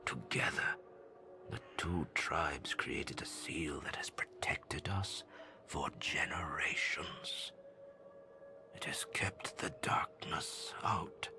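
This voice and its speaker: An actor playing a grave, solemn old tribal elder in a game, with a gravelly, breathy voice and weighty delivery. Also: male voice, sits low, in a whisper, music in the background. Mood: solemn regret. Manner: slow, weighty, portentous. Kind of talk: solemn dramatic game cutscene monologue.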